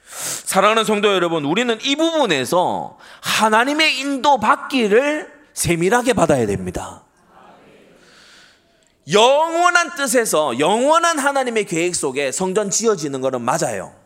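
A man's voice: sits high, fairly bright tone. A middle-aged man preaching a Sunday sermon to his congregation, earnest and emphatic, often asking rhetorical questions and answering them. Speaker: pastor.

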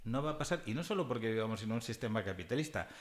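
A man from Catalonia speaks as a panelist in a relaxed but thoughtful discussion. He talks in a lively, discursive way. He checks in with short tag questions and lets out small chuckles as he builds his points. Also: fairly low pitch, rapid-fire. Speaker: panelist at a book presentation. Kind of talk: conversational academic discussion.

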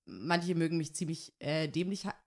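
A young woman co-hosting a podcast in casual chat, enthusiastic and quick to laugh. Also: deep voice, darkish tone. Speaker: podcast co-host.

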